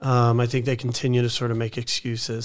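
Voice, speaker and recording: On a very clean recording with a silent background, a man talks fairly quickly at a medium pitch. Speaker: podcast host. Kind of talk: casual interview chat.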